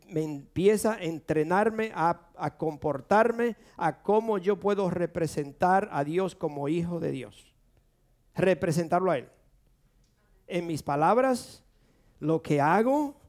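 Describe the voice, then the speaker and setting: A male pastor leads a church service, firing questions at his congregation and repeating them to press for answers. His voice sits fairly high and moves at a brisk pace. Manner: quick, lively, asks and repeats questions.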